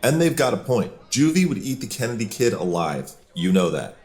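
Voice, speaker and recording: Man acting a lively, wisecracking cop. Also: mid-range voice, a little fast. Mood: wry. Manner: colloquial, teasing. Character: easygoing male cop, wisecracking peacemaker among colleagues. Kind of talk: dramatic dialogue in an audio drama.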